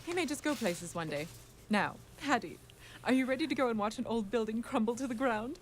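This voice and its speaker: Woman doing a brassy high pitched lady boss for kids radio drama, super animated, gleeful, noisy worksite behind. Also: fairly quick, close to an everyday voice. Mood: breezy, bossy. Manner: theatrical, breezy, bossy. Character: brash demolition company manager, gleeful about wrecking. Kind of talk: children's radio drama acting. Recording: noisy demolition site sound effects. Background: machinery and demolition sound effects.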